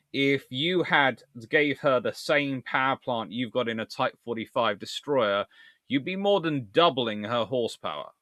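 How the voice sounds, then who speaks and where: A man hosts an informal live stream, fielding questions as he goes. His mid-pitched voice wanders discursively through explanations, thinking aloud like a lecturer. The sound is dry, with very little room in it. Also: fairly bright tone, no echo. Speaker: host, history lecturer. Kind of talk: live stream chat, answering viewer questions.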